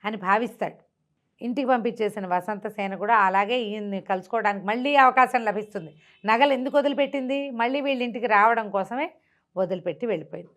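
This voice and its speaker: A woman's voice: a little high, fast, fairly bright tone. A woman tells a classical tale off the cuff as a storyteller, explaining conversationally and repeating phrases as she goes.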